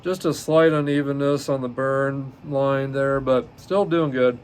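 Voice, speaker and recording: Halting man in his fifties, podcast host. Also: medium pitch, steady tone, slight background noise. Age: 50s. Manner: halting, many ums and uhs, self-correcting. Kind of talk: casual solo podcast, reading notes.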